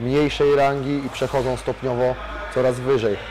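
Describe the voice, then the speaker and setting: Over music in the background, a man speaks with monotone, flat intonation. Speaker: martial arts coach. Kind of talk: interview answer. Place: gym. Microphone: lapel.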